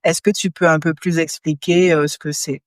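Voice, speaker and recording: A woman hosting a podcast, reading a clear, upbeat introduction and asking her guest questions. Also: sits low, level tone, moderate pace, no room sound, studio quality. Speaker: podcast host. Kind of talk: scripted podcast intro then interview.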